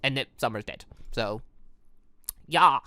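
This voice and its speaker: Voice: medium pitch, slow pace, pushed and bright, no echo. A gaming video host reading a visual novel aloud with asides, often stumbling and repeating lines.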